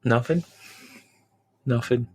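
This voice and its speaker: A man's voice: mid-range voice, slow, slight background noise, rough recording. A man co-hosting a podcast, talking hesitantly with stumbling restarts. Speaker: podcast co-host. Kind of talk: casual podcast chat.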